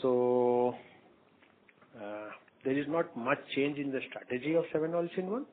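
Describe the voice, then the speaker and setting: Indian guy exec on a phone conference, halting business answers, repeats himself, tinny muffled line. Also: mid-range voice, slight background noise. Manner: halting, repeats words and phrases. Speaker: company executive answering analyst questions. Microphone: phone conference call.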